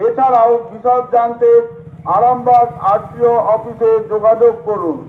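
Guy doing a formal pa system announcement, really high voice, pretty flat, echoey and a bit muffled. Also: unhurried. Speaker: municipal public announcer. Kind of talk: PA system public announcement, scripted. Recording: echoey, slightly muffled PA recording.

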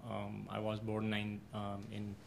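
A man in his fifties speaks in a flat, low voice, hesitating often. He talks into a handheld mic in a classroom, with a faint room hum behind him. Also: a little slow, vocal fry. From Iraq. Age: 50s. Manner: hesitant, many ums. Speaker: panel guest.

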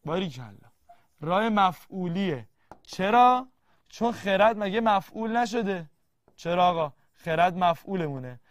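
A man teaching a literature grammar lesson, quizzing the class and reading verses slowly word by word. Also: high voice, dry recording. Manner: lively, quizzing students and answering himself.

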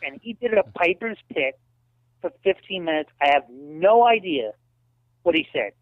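A man's voice: sits high, normal speed, no room sound. Man in his late fifties on a tinny phone line. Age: 50s. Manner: animated anecdotes, frequent "you know". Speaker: interview guest. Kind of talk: casual storytelling interview.

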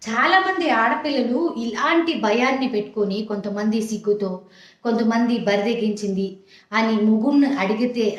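Motherly woman advice-giver, echoey room. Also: on the high side. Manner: motherly, addresses listeners as "amma"; keeps checking "understood?". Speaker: advice channel host. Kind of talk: relationship advice talk.

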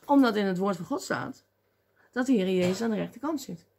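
Animated husky woman preaching. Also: mid-range voice, fairly quick. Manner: animated, acts out voices and cries out. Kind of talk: lively sermon.

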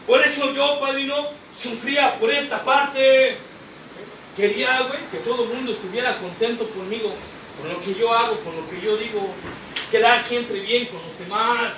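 High-voiced profane Mexican man in echoey hall. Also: normal speed, recorded from a distance. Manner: profane, rhetorical, keeps tagging lines with slang and "eh?". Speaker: speaker sharing at a recovery group meeting. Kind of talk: impassioned testimony from a podium. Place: meeting hall. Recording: echoey hall, recorded from afar, noisy.

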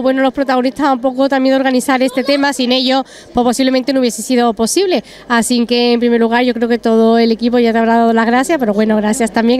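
A woman's voice: fairly high pitch, a little mellow. A woman reporter interviewing people at a crowded event with a handheld mic, chatty and full of compliments. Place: busy crowded hall and street. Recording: noisy crowd around.

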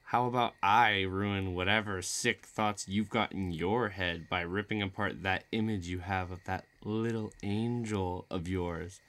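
A man's voice: low-pitched, steady tone, a little slow, few pauses, a bit bright. A man playing a menacing, bloodthirsty villain who taunts and threatens in an audio roleplay. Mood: threatening, sneering. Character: menacing bloodthirsty male villain craving a duel.

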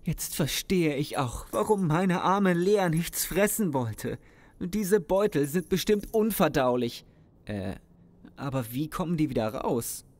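A man's voice: a little high, expressive, measured pace, darkish tone. An actor playing an anxious male loner devoted to his pet snake in a radio play, fretful and pleading. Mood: worried, pleading.

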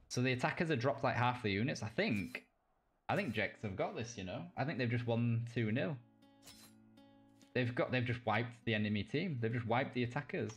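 A young British man casting a live video game match, reacting quickly and cracking jokes between calls. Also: medium pitch. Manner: quick reactive play-by-play, jokey asides. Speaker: caster. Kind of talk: live esports play-by-play commentary.

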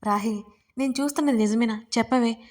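A woman's voice: a little high, brisk, close to an everyday voice. A woman narrator voicing a distraught young woman who pleads with and scolds her friend through tears. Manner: tearful, pleading, shouting.

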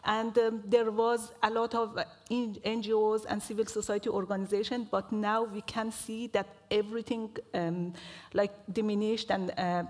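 Woman from Afghanistan, earnest, halting, many fillers, stage panel, lapel mic. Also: medium pitch, level tone. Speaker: panel speaker. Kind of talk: panel discussion. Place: large stage hall.

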